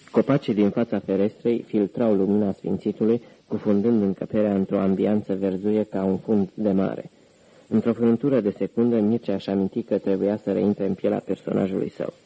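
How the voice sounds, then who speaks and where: Male audiobook narrator, steady storytelling, low pitch, husky voice. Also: low-quality recording. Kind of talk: scripted narration.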